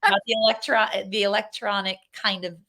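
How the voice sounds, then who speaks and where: A woman's voice: medium pitch, little pitch movement, fairly quick, sharp tone. A woman co-hosting a podcast in casual chat, earnest and rambling, often restarting her sentences. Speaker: podcast co-host.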